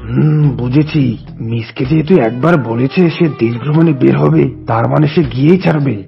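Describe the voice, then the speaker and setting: A man voicing a regal, thoughtful lion, king of the forest, in a cartoon, with a gravelly voice. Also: on the high side, moderate pace, dull audio, faint music behind. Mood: pondering. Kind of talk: cartoon voice acting.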